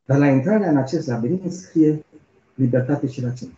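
A man's voice: medium pitch, mellow. A man giving an academic keynote, telling a story and checking in with the audience through rhetorical questions. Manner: storytelling with frequent rhetorical "nu?" tags. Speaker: keynote speaker. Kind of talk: academic lecture, retelling a story. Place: conference hall. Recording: roomy, dull lo-fi lecture recording.

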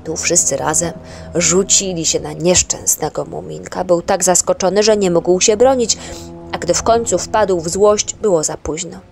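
A woman's voice: on the low side, steady tone, normal speed, creaky, a little mellow. A woman reading a children's story aloud at home for a school project, narrating steadily. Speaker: storybook reader.

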